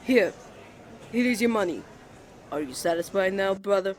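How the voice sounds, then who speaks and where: Man acting as high, flustered hot-tempered twin brother. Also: moderate pace, a little hiss or hum. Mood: flustered, indignant. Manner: stammering, indignant, excitable. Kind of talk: romantic ASMR roleplay acting.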